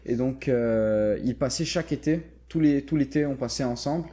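Young man, Lebanese French accent, warm mellow tone, thoughtful casual chat, hesitant restarts. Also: medium pitch, normal speed. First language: Lebanese Arabic. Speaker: guest.

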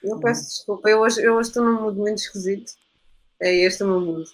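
A woman's voice: mid-range voice, fairly even intonation, brisk, rough recording. A woman with a European Portuguese accent chatting casually as a livestream guest, rambling and repeating words as she stumbles along. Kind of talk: casual chat.

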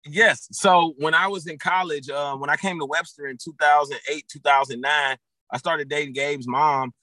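Rambling man in his thirties, bright voice. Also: a little high, fairly even intonation, moderate pace, no echo, poor audio. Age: 30s. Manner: rambling, many fillers and restarts. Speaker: guest, teacher and football coach. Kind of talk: casual podcast conversation.

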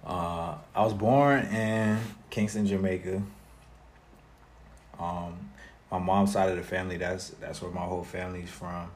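A young man from South Florida, a guest music artist talking about his life in a relaxed interview, with many fillers. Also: sits low, a little slow. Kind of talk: casual interview conversation.

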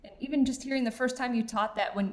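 A woman co-host with a slightly higher voice speaks to the guest with eager enthusiasm. She talks in a conversational interview style. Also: fast. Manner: admiring, enthusiastic.

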